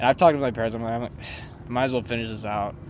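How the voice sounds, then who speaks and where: A man with an American accent speaks at a medium pitch. Noticeable background noise runs beneath him. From Texas panhandle, Amarillo. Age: 20s. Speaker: music student. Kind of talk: casual chat. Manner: halting.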